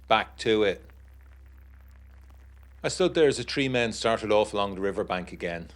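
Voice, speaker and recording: A man giving measured, brooding, literary first-person narration for a historical audio drama. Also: lowish voice, lively intonation.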